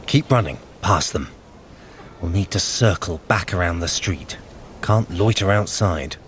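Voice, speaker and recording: A man's voice: low-pitched, unhurried, a bit bright, slight background noise. A man playing a sly, impatient trickster god in an audio drama, sardonic and commanding. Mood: commanding, wary.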